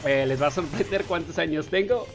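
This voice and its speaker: A man's voice: fairly high pitch, fairly quick, music in the background. Playful young Mexican man, gaming voice-over. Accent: Mexican Spanish. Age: 20s. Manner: playful, reads viewer questions aloud in a raised voice. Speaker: gaming YouTuber. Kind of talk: casual Q&A voice-over over gameplay.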